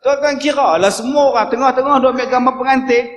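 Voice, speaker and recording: A man with a northern Malay dialect giving a humorous religious lecture as a preacher, telling stories with sudden loud high bursts. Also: steady tone, fast talker, slight background noise.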